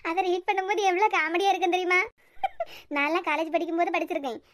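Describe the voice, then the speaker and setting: A performer doing a very high teasing cartoon wife. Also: fairly even intonation, fast talker, a bit bright. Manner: teasing, wheedling, talkative. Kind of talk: cartoon voice acting.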